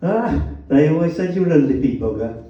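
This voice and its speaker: A man's voice: fairly high pitch, lively intonation, fairly quick, voice pushed up, natural voice. A man reading a novel aloud, voicing a smug, mocking 1970s detective sergeant with a Black Country accent. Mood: mocking recognition. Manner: loud, mocking, overfamiliar. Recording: echoey room, distant mic, muffled sound.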